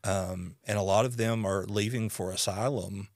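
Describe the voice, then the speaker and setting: A middle-aged man, hosting a podcast interview in a measured, halting way. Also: on the low side, fairly even intonation, no room sound, studio quality. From Arkansas, United States. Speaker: podcast host. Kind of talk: conversational interview.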